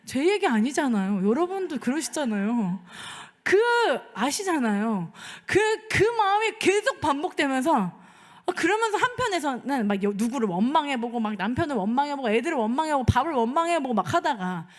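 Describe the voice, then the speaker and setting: Lively high-voiced woman preaching in a church. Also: normal speed. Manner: conversational, asks the congregation for agreement, acts out dialogue. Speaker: pastor. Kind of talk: sermon with personal storytelling. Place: church sanctuary. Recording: long church reverb.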